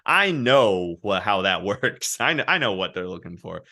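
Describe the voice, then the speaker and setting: A man who works as a voice actor, chatting as a guest and telling animated stories about his work. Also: lowish voice, moderate pace. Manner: animated, anecdotal storytelling. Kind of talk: casual interview chat.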